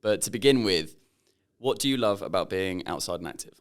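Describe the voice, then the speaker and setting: A man hosts a podcast interview, chatty and friendly as he sets up his questions. His voice is smooth and resonant and sits fairly low. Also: expressive, brisk. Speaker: podcast host. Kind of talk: casual interview chat.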